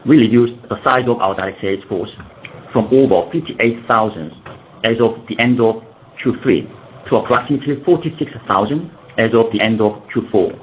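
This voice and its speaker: A man's voice: on the low side, normal speed. A man in the role of a company executive, formally reading prepared earnings call remarks and sometimes stumbling over his words. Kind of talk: scripted earnings call presentation. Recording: dull lo-fi conference call, faint noise.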